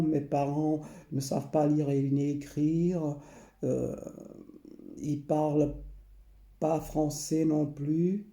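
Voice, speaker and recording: A man, recalling his past slowly and hesitantly, often pausing and repeating himself. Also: a little high, mellow, echoey room. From Portugal. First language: Portuguese. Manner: hesitant, many pauses and repeated phrases. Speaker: memoir narrator. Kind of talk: slow personal recollection.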